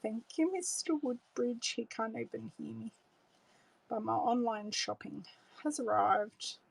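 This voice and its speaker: Australian woman, middle-aged, card-making demo, chatty, slow, slightly husky. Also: a little high, no echo, poor audio. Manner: chatty, relaxed, thinks aloud while working. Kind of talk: live craft tutorial with viewer greetings. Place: home craft room, indoors. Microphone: overhead camera setup, hands on desk.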